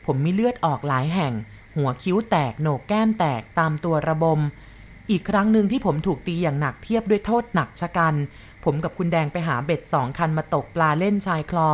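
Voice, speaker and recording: Low-voiced woman reading a story aloud. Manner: calm, measured reading of a male first-person story. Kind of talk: first-person story narration.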